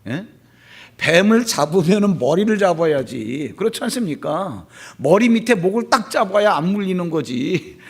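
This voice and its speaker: A male pastor preaching a sermon, telling Bible stories in an animated way and acting out the scenes. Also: high voice, moderate pace, husky.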